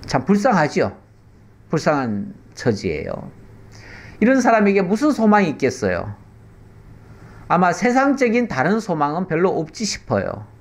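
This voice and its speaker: Lively, fairly high-voiced male pastor. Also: creaky. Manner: explains with rhetorical questions and slow pauses. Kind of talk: conversational Bible teaching.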